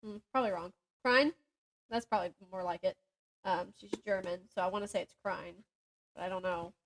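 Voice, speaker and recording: A woman's voice: on the low side, fairly even intonation, fairly quick, slight background noise, low-quality recording. A young woman co-hosting a podcast, chatting casually about books and reading bits aloud, giggly and a little self-deprecating. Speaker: podcast co-host. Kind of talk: casual book chat with synopses read aloud.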